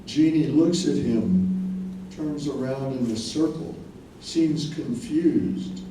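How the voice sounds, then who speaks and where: A man's voice: mid-range voice, slow pace, dark tone, soft background music, natural voice. A man narrating the action in a staged play reading. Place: live staged reading in echoey room. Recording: very echoey room, distant, faint noise.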